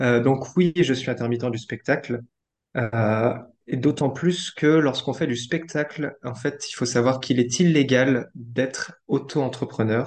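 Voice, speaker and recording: In a normal speaking voice, a man talks at a fairly slow pace with medium pitch and fairly even intonation. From Brittany, France. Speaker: diabolo juggler and dancer. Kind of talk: casual interview.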